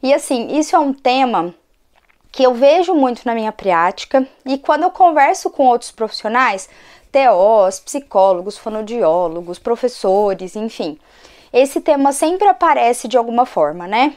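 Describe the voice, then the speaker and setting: Hoarse woman, chatty teacher. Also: a little high, expressive, normal speed, darkish tone. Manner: conversational, frequent tag questions. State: hoarse from a cold. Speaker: occupational therapist and channel host. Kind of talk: educational talk to camera.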